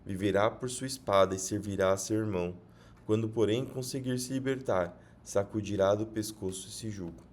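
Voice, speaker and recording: A man's voice: lowish voice, fairly even intonation, moderate pace, slight background noise, lightly acted. A man reading the lines of an aged blind father giving a solemn blessing.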